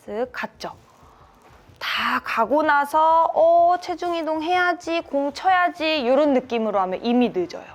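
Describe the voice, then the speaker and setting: Woman golf instructor, hands-on lesson; high, animated delivery, encouraging, shouts sound cues for timing. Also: unhurried.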